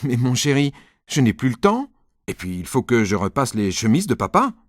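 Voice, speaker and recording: A man voicing a patient mother in a storybook reading, speaking in a gentle, soothing way. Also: mid-range voice, very animated, normal speed, no room sound, studio quality, close to an everyday voice. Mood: calm.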